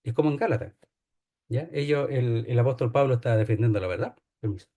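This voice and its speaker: A man's voice: medium pitch, fast talker, dark tone. A man teaching a Bible study, explaining a passage and often checking in with "¿ya?". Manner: explanatory, repeats key phrases, asks "¿ya?".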